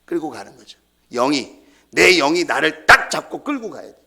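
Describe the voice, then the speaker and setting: A man preaches in a church with a high, sweeping voice that leaps about in pitch. He builds emphatic waves of repeated phrases, rising to shouts and dropping to hushed near-whispers. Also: sing-song, moderate pace, breathy edge. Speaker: senior pastor. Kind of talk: Wednesday prayer-meeting sermon. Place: church sanctuary.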